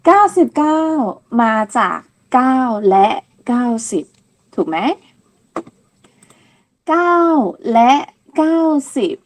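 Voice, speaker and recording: A woman teaching numbers at a very slow, deliberate pace, repeating each word patiently and clearly. Her voice sits a little high, and her phrases close politely. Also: very animated. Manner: polite, ends phrases with soft particles. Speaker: language teacher. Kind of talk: slow step-by-step counting lesson.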